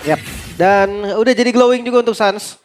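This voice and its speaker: Very high-voiced male esports analyst. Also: moderate pace, slight background noise. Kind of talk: casual live match analysis with excited calls. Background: game music.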